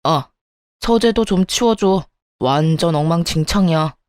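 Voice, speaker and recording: A woman's voice: fairly low pitch, animated, unhurried, darkish tone, no echo, studio quality, voice pushed down. A woman voicing an arrogant doctor husband who talks down to his wife and brushes off her complaints. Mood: nagging. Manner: condescending, nagging, brushing off complaints. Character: arrogant dismissive doctor husband, adult man. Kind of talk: Korean story radio reading.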